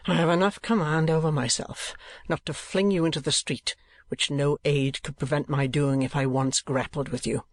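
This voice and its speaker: A man voicing an honourable, indignant young gentleman in an audiobook, stern with restrained anger. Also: on the high side, fairly even intonation, moderate pace, no echo, lightly acted. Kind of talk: dramatised audiobook reading.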